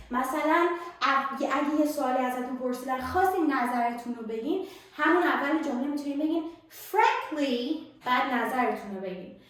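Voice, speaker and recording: A young woman with a high voice teaches English vocabulary at a whiteboard. She draws out each English example word slowly and carefully. Her voice rings around a very echoey room. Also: slight background noise. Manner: explains slowly, drawing out English example words. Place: classroom with a whiteboard.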